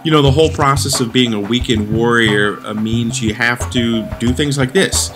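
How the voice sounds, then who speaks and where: Man, middle-aged, casual vlog, phone at arm's length, filler words, steady mid pitch, music bed. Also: normal speed. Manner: chatty, upbeat, lots of fillers. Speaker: RV vlogger. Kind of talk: casual travel vlog with voice-over. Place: inside a car, then outdoors by an RV. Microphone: phone held at arm's length. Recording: music bed playing under the voice. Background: background music.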